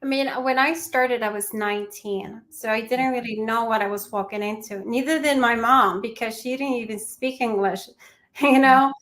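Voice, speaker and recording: Young woman from Peru, mindfulness teacher guest, bright-ish higher voice, thoughtful and sincere. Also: normal speed. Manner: earnest, reflective, with restarts and small laughs. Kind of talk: conversational interview answers.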